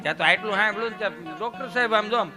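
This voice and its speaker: A man doing stand-up storytelling on stage, animated, swinging from soft asides to loud outbursts and calling the audience sir. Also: high voice, rapid-fire, over loud music. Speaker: stand-up comedian.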